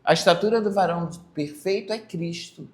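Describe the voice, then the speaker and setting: A woman's voice: lowish voice, moderate pace, darkish tone. A woman with a Brazilian Portuguese accent teaching a church Bible study, emphatic and often adding rhetorical tag questions.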